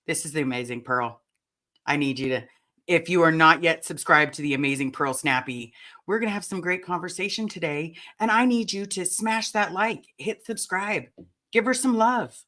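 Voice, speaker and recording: A low-pitched woman with a raspy, bright, forceful voice hosts a casual live chat. She talks quickly and animatedly, turning often to address her viewers. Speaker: livestream host.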